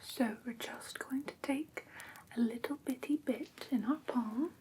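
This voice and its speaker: A gentle female vampire teacher a woman in ASMR roleplay leads her class in a breathy whisper. Her voice sits slightly high and stays soft and patient. Clear background noise runs beneath the whispering. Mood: gentle, instructive. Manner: soft, patient, unhurried instructing.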